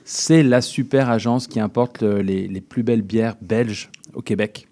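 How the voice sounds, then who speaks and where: Mellow-voiced man plugging on radio. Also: lowish voice, measured pace. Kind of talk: casual radio plug. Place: radio studio.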